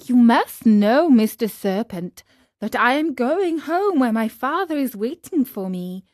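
A remorseful young wooden puppet boy, as a woman reading a storybook puts him on, earnest and childlike as he pleads. His voice sits high, and the delivery is unhurried. The sound is close and dry. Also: animated, a bit bright, no echo. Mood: sweetly pleading. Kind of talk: storybook character voice.

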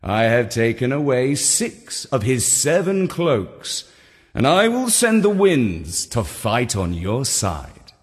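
Brief: man voicing a commanding storybook sun god, slow and solemn. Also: mid-range voice, big pitch swings, breathy edge, in a large hall, exaggerated voice.

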